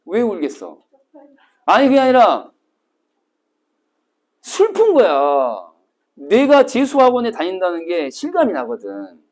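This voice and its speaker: A man teaching a cram school Korean class, telling stories vividly and acting out scenes with sudden shouts. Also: high-pitched, wildly swooping pitch, normal speed. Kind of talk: classroom lecture to exam retakers.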